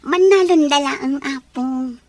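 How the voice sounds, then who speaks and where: A woman playing a humble, understanding young girlfriend in an audio drama, speaking gently and politely. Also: high-pitched, measured pace, dry recording. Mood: humble, sincere.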